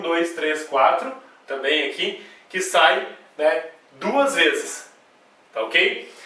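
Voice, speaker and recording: A male Brazilian grammar teacher giving a video lesson, explaining step by step, spelling sounds out slowly and often checking in with the class. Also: high voice, a bit bright. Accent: Brazilian Portuguese. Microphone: camcorder mic away from the speaker. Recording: echoey room, voice from a distance.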